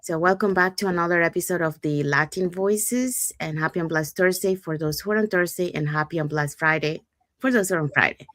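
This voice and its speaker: A woman's voice: fairly low pitch, a little fast, a bit bright, no echo, studio quality. A woman from Panama, co-hosting a show and inviting viewers in an upbeat, repeating way. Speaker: co-host. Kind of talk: scripted show promotion.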